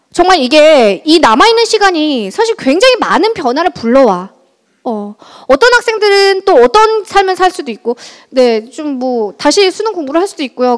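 A woman math teacher giving a lively exam-prep lecture to high school students in a large school auditorium, chatty and often checking in with her listeners. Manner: chatty, keeps checking in with the audience.

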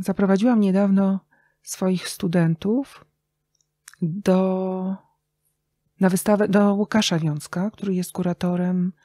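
A woman's voice: on the low side, mellow, dry recording. A middle-aged woman speaking as an interview guest, telling anecdotes in a conversational way. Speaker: interview guest, radio journalist and writer.

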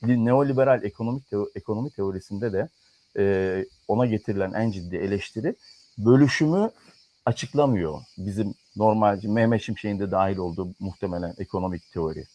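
A man's voice: fairly low pitch, brisk, mellow. Argumentative man talking economics. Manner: argumentative, lectures in firm repeated clauses. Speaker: economics commentator. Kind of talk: casual political chat.

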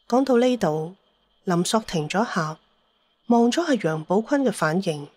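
A woman's voice: mid-range voice, expressive, measured pace, darkish tone, no echo, studio quality. A woman narrating a scripted story in the manner of an audiobook storyteller.

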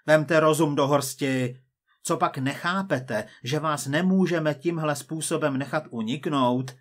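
Guy voicing a cold patient agent from the future, calm and threatening, audiobook story. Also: fairly high pitch, slightly rough. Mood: menacing. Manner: coolly menacing, measured.

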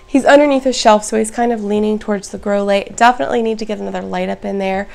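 A woman chatting casually to her viewers in a plant vlog, her voice hoarse and raspy. She is upbeat and talks to the audience directly. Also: mid-range voice, fairly even intonation, fast talker. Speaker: plant vlogger. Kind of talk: casual show-and-tell vlog.

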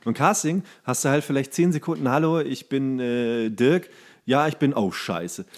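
A man's voice: mid-range voice, normal speed. A man co-hosting a casual comedic podcast, telling stories in slang and acting out imagined quotes. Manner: slangy, animated storytelling with acted-out quotes. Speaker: podcast co-host.

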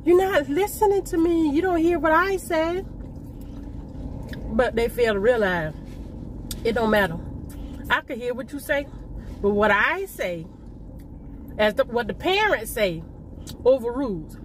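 A woman's voice: high-pitched, lively intonation, unhurried, long pauses, slight background noise. A middle-aged woman, talking while chewing during a casual mukbang chat in a parked car, calling her viewers y'all. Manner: chatty, addresses viewers as y'all. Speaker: mukbang host eating with her daughter.

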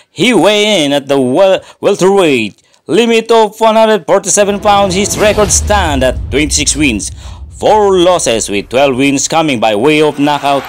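A man announcing like a boxing ring announcer, formal and theatrical, stretching out names as he introduces fighters. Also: fairly high pitch.

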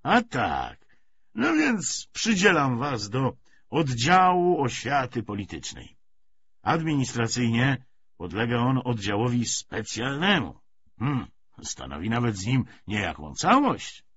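A self-assured Bolshevik commissar, acted out by a male audiobook reader, lectures with deliberate emphasis. The voice is a little husky and swings widely in pitch, at a measured pace. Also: very animated, a bit bright, dull audio, heavily acted. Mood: brisk, official. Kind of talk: audiobook character dialogue.

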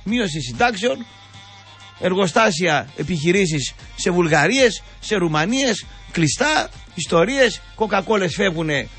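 Sarcastic ranting radio host. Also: male voice, high-pitched, expressive, fairly bright tone, soft background music. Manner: indignant, sarcastic, rambling with frequent fillers.

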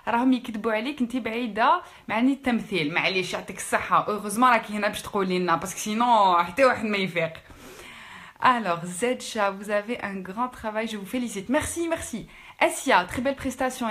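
A young Algerian woman, an actress, chatting fast and casually with fans in a live stream, switching languages. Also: a little high, a bit bright. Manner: quick, chatty, mixing French with Algerian Arabic. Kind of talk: casual live-stream chat reading out comments.

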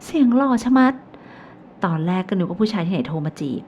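A loud, blunt best friend, as a woman puts her on. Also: lowish voice, very fast, lightly acted. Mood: excited. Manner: loud, teasing, crude slangy speech. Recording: slightly dull recording, faint hiss.

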